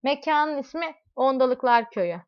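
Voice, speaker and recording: High-voiced woman teaching math. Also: lively intonation, moderate pace, clear, resonant tone. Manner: explains with everyday examples, asks students questions; talks directly to students in second person. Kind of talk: classroom math lesson. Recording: dull lo-fi recording.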